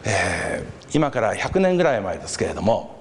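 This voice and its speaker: A man preaching a sermon, telling a story and acting out the voices of a crowd with lively animation. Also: lowish voice, normal speed. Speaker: pastor. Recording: reverberant hall with faint background noise.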